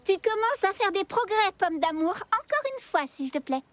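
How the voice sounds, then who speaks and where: A woman's voice: very high-pitched, lively intonation, moderate pace. A woman voicing a sensible girl in a children's cartoon, speaking in a reasonable, instructive manner. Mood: encouraging. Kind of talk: animated French-language cartoon dubbing. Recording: background music under the dialogue.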